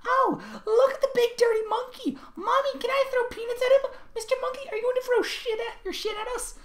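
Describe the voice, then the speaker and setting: A man's voice: very high voice, steady tone, brisk, a bit bright, pitched above the performer's own voice. A man voicing a volatile, foul-mouthed human man who screams and swears in long rants, recorded in an echoey room. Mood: mocking falsetto.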